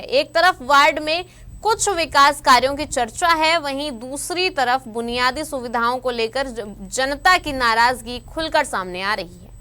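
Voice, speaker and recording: Woman newsreader, high voice, bright tone, formal even delivery. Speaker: news anchor. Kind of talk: scripted news reading.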